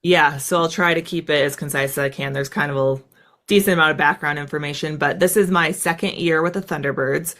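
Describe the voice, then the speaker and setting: A woman in her thirties from the United States, a guest in an interview, telling stories in a quick, animated way with plenty of "like" fillers. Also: low voice. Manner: fast, animated, lots of "like" fillers. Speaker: guest, former fighter pilot. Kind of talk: casual storytelling interview.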